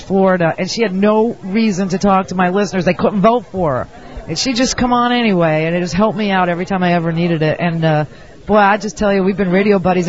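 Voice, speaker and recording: A radio talk show host talking casually and rambling, with many restarts. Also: male voice, high-pitched. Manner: quick, animated, rambling with restarts. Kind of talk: casual phone conversation at a convention. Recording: dull lo-fi radio audio.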